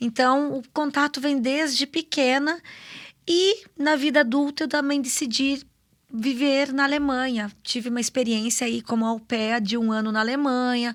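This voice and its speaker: On a very clean recording with a silent background, a woman speaks at a moderate pace in a high pitch with ordinary pitch variation. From southern Brazil, German-colonized region. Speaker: German teacher. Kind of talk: TV interview.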